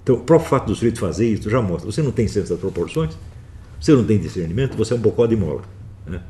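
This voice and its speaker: A man's voice: fairly low pitch, very animated, racing, dark tone, slight background noise. A man lecturing his students in an emphatic, scolding way, often adding tag questions. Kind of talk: philosophy lecture.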